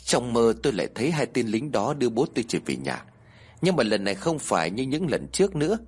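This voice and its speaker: Husky man telling a ghost story. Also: mid-range voice, quick pace. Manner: lively, voices the quoted characters. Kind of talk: first-person ghost story narration.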